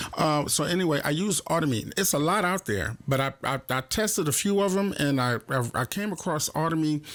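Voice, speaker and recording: The speech comes at a fairly quick pace with lively intonation and hardly any pauses. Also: man. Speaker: music producer. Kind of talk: tutorial. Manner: casual, laid-back.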